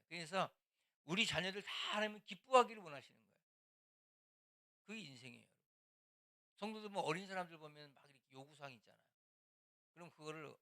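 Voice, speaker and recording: Older man, pastor, slightly high voice, chatty preaching, acts out quotes. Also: sharp tone. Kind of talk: teaching small-group leaders.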